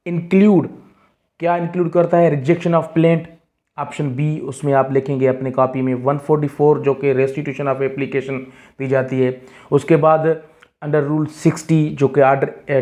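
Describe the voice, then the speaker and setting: A man's voice: mid-range voice, darkish tone. A man with a South Asian accent lecturing as a teacher, explaining in a didactic way, repeating key phrases and mixing in English terms. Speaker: law teacher. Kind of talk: exam-prep lecture, explaining and reading out definitions.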